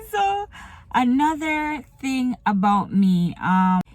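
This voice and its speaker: Slow-talking Jamaican woman vlogger. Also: sits high, sing-song, no echo. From Jamaica, raised in Kingston. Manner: chatty, laughs often, slips into patois. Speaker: vlogger and small business owner. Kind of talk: casual get-to-know-me chat. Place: inside a parked car.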